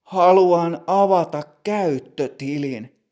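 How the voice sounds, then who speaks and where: A man's voice: a little high, a little mellow, voice pushed up, close to an everyday voice. Man voicing a flustered young customer. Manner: nervous, hesitant.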